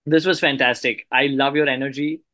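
A man's voice: mid-range voice, steady tone, brisk, bright, forceful tone, no echo, clean studio sound. A man hosting a conversational podcast interview in an enthusiastic, appreciative manner. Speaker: podcast host.

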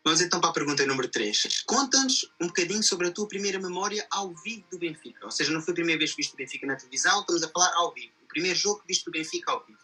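Portuguese guy hosting a chatty interview, really bright sharp voice, bit husky, light music behind. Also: fairly high pitch, animated, rapid-fire, hardly any pauses, low-quality recording. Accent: European Portuguese. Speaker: interview host. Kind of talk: conversational podcast interview, explaining at length.

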